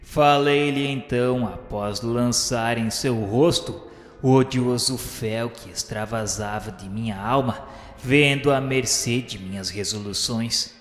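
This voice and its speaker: A man acts out a vengeful former inquisitor in a radio drama, confessing his cruelty with solemn, theatrical weight. His delivery is very slow and deliberate. The voice rings with long reverb over a bed of music. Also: mid-range voice, fairly bright tone. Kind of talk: dramatic scripted radio-novela narration. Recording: roomy reverberant studio, music underneath.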